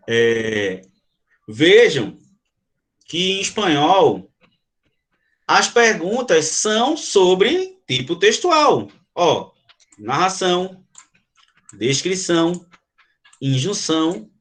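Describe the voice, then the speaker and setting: A male teacher lecturing to students, often pausing to ask if they follow and explaining with quick examples. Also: high-pitched, a bit bright. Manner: frequent checking questions to students. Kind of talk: classroom lecture.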